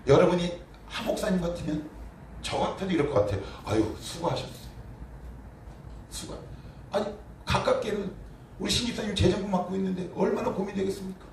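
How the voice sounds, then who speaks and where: Male pastor, higher voice, animated sermon, picked up from a distance in a roomy church. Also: slight background noise. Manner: emphatic, rhetorical questions to congregation. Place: church sanctuary.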